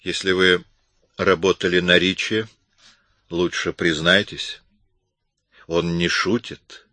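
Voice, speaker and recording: A man's voice: sits low, slow pace, no echo, exaggerated voice. A man voicing a cool, composed man. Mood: calm. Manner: calm, persuasive. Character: cool composed man, calm under pressure.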